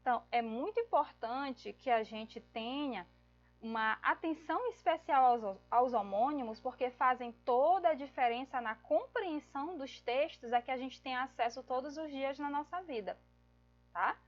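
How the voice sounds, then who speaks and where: A woman's voice: high-pitched, moderate pace, lo-fi sound. A woman teacher giving a grammar lesson, explaining patiently step by step and checking in with her listeners.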